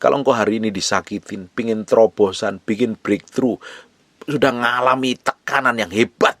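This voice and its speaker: A male pastor preaching a sermon, emphatic, with sudden rising bursts and slow drawn-out phrases. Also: on the low side, steady tone, a bit bright, no room sound.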